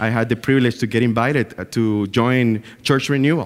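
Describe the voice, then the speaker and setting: At a moderate pace, a man talks with a Spanish accent. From Nicaragua (Bluefields, Caribbean coast). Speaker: missionary. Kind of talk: sermon. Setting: church. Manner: halting.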